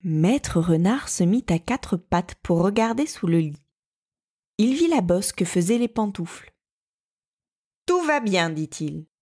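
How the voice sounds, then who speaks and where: A woman storyteller reads a children's tale aloud. Her voice sits in a middle register, and she gives the narration a lively, expressive lift. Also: mid-range voice, measured pace, husky.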